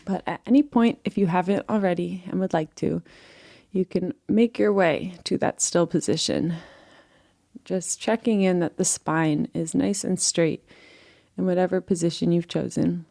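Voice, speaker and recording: A woman with a dark, mellow voice and a gravelly fry at the edges guides a relaxation practice. Her manner is gentle and unhurried, giving soft permission with each instruction. She speaks as a meditation guide, soothing and patient. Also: fairly low pitch, no echo, studio quality.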